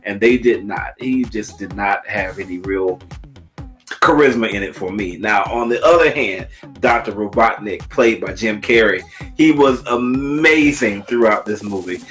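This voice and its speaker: A man's voice: fairly low pitch, unhurried, fairly bright tone, faint music behind. A man chatting casually as co-host of a movie review, repeating phrases for emphasis.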